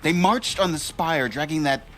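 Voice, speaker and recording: An actor playing a shaken, earnest tribal survivor in a video game, speaking haltingly. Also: male voice, a little high, a bit bright, lightly acted. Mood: shaken relief. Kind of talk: video game drama acting.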